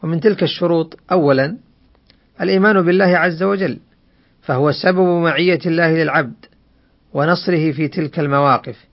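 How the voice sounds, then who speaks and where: A man giving a religious radio lecture in formal standard Arabic, with formal, measured, deliberate phrasing. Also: on the high side. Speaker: host of a weekly religious radio programme. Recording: dull, band-limited radio recording.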